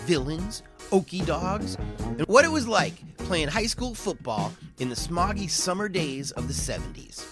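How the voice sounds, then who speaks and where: Music sits behind the speech. The talking keeps a moderate pace. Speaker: podcast host. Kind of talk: casual podcast talk.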